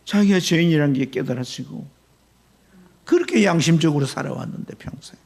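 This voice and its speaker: A man preaching a Sunday sermon as pastor, telling a story with sudden swings between loud high passages and low hushed ones. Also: vocal fry. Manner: storytelling with sharp swings in pitch and loudness. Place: church sanctuary.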